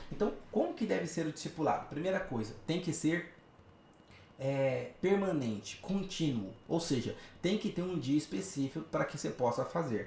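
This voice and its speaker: Audible room echo surrounds a man with a fairly high pitch. His pitch swings very widely. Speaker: sign language teacher. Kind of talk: online lecture. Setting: home recording. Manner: fast; hesitant fillers.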